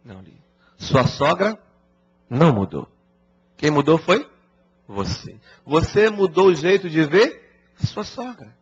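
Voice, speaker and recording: A wise old village sage counsels calmly and reassuringly, as a man puts him on. The voice is husky and rather high for a man, swinging lively through its pitch. The sound is dull and lo-fi, like an old broadcast. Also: slow, long pauses, heavily acted.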